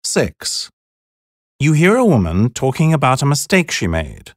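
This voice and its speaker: A man's voice: medium pitch, huge pitch swings, a little slow, no room sound, clean studio sound. A man narrating scripted instructions for a listening exercise.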